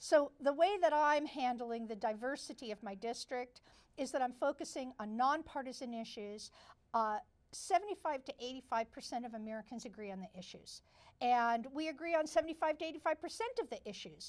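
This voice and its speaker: A woman's high-pitched voice at a fairly quick pace, with big swings in loudness. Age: 60s. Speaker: congressional candidate. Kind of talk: interview.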